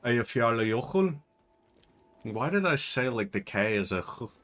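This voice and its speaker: A man's voice: lowish voice, sing-song, moderate pace, fairly bright tone, soft background music. An Irish man giving casual, rambling commentary while playing a game, with lots of fillers. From Ireland. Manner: rambling, chatty, many fillers. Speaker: gaming channel host.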